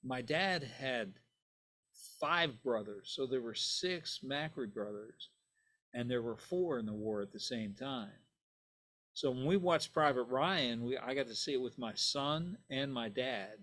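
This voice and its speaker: An older bassist whose first language is Italian tells stories as a guest in a casual interview. His voice is medium in pitch, animated and unhurried, with a fairly bright tone, and he rambles with plenty of "you know" and "right?".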